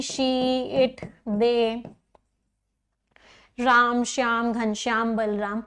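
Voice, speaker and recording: High-voiced woman teaching grammar. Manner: explains step by step, repeats key points, asks the class questions. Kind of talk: classroom grammar lesson.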